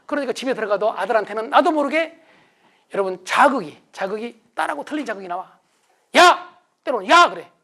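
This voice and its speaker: A man's voice: high-pitched, expressive, quick pace. A middle-aged man giving a motivational lecture, asking the audience questions and answering them himself. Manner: acts out shouted family calls. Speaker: success lecturer.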